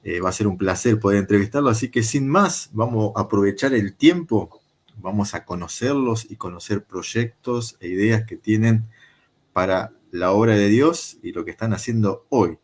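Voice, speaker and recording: A man hosting a video call interview, talking in an unhurried, conversational way with frequent filler pauses. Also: on the low side, slightly rough. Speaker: interview show host.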